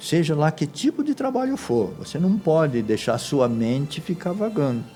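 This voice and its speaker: Against noticeable background noise, a man with a fairly high pitch talks at a moderate pace with very wide pitch swings. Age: 70s. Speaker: church deacon. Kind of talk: testimony.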